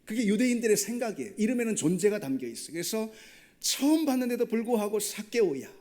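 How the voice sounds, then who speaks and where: A man's voice: high voice, sing-song, quick pace, dark tone. A male pastor preaching a sermon, often asking the congregation questions and building toward emphatic points.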